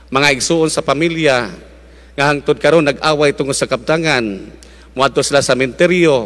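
A man's fairly high voice, with normal movement in pitch, proceeds at a middling speed. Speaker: priest. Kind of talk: Christmas Eve Mass homily; fervent preacher, exhorting the congregation. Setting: church with congregation. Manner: animated, fervent, leads call-and-response; warm, jokey, switches between Cebuano and English.

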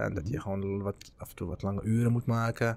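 Man at medium pitch with a dark, mellow tone, fairly even intonation and a moderate pace, in a very clean recording with a silent background. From Tunisia. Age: 30s. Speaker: hostel facilities manager. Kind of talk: interview. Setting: in a hostel.

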